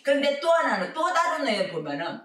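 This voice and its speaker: A man preaching a sermon, telling the story with animated voices for the people in it. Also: very high-pitched, brisk. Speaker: pastor. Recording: echoey room, recorded from far off.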